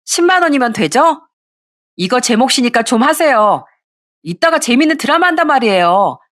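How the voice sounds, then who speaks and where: A woman voicing a lazy, spoiled young sister-in-law in a told story, speaking in a high, whiny, petulant voice. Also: very animated, moderate pace, a bit bright, exaggerated voice.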